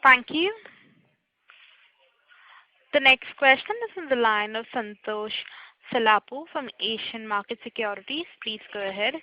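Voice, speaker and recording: A woman, the operator of a conference call, announcing speakers and handling line trouble in brisk, courteous phrases. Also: on the high side. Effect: conference-call phone line. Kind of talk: formal call moderation. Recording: dull phone line with faint noise.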